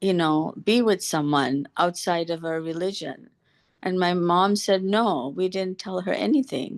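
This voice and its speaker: This is an ordinary speaking voice. A woman at medium pitch talks at a fairly slow pace against a quiet background. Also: ordinary pitch variation. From US. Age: 60s. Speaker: meditation group participant. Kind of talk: personal sharing in online group.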